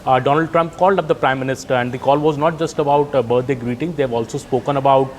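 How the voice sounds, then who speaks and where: A man's voice: medium pitch, fairly even intonation, fast talker, slight background noise. A man with an Indian accent giving live news analysis as a journalist, explaining point by point.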